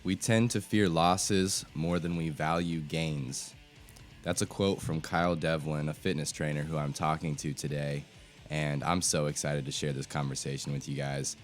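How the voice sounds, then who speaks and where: A man in his twenties hosting a podcast, his voice stuffy and nasal from a head cold, talking in a relaxed, rambling way with fillers and restarts. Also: a bass voice, normal speed, soft background music. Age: 20s. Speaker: podcast host. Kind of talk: casual podcast talk.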